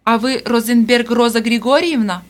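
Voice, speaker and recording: Woman doing a gentle, tearful aunt in black. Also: a little high, moderate pace, lightly acted. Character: grieving woman in black, stern then tender aunt.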